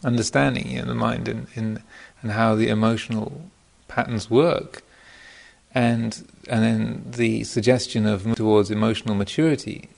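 A man giving an informal dharma talk as a meditation teacher, speaking thoughtfully and hesitantly, often pausing mid-phrase, in a gravelly voice. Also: mid-range voice, fairly even intonation, a little mellow. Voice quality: gravelly, creaky voice. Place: meditation retreat center.

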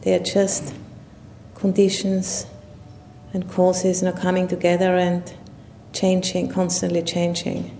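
A woman guides a meditation in a lowish, very level voice. Her phrases come slowly and haltingly, with long gaps between them. A faint rumble of background noise sits under the recording. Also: monotone, vocal fry, dark tone. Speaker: Buddhist nun leading meditation. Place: retreat session at a monastery or retreat center.

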